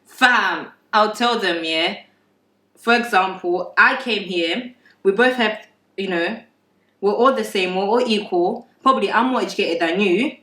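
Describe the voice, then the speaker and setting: A woman on a discussion panel, talking in a casual, animated way, laughing and swearing freely. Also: medium pitch, measured pace. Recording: echoey room from far off.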